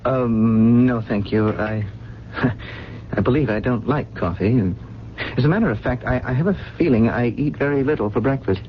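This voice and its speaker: A dull, faintly noisy 1970s radio recording carries an actor as a lost, world-weary drifter. He is gentle and educated, choosing formal words with many hesitations, in a mid-pitched male voice. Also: close to an everyday voice. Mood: bewildered, hesitant. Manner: halting, hesitant, formal wording. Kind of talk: 1970s radio drama acting.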